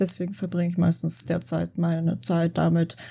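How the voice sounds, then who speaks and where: A woman speaks at a moderate pace in a fairly low, dark and mellow voice. The recording is very clean, with a silent background. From Bavaria, Germany (near Freising). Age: 20s. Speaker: podcast interviewee. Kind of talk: personal interview talk. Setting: at home in her work room.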